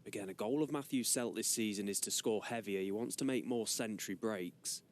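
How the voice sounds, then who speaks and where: Low-voiced male snooker commentator. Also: brisk. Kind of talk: measured live snooker commentary. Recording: rumbly background noise.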